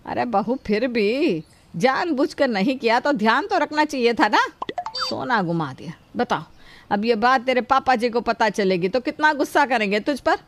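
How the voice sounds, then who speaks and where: A woman's voice: a little high, very animated, normal speed, a little hiss or hum. A middle-aged woman playing a kind, protective mother-in-law who scolds yet shields her daughter-in-law.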